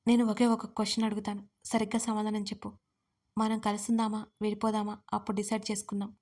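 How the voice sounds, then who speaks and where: A brooding young husband, read by a woman, pressing hard with blunt, insistent questions. He speaks in a flat, level tone with little rise or fall. It sounds like a scene from a spoken audio drama. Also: mid-range voice, fast talker, natural voice. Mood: stern.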